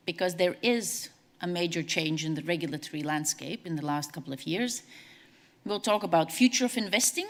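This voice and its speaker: A woman from Latvia, giving a brisk, conversational conference presentation as a CEO. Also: lowish voice. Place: large conference hall. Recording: long hall reverb.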